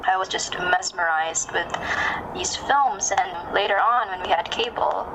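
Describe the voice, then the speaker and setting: A woman being interviewed as a podcast guest, speaking conversationally in a polite, reflective, measured way. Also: mid-range voice, background noise.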